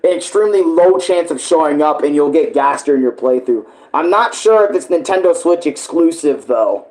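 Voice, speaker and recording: Male reaction host, slightly higher pitch, rambling, slangy, profane, casual commentary. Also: animated, normal speed, a little mellow, rough recording.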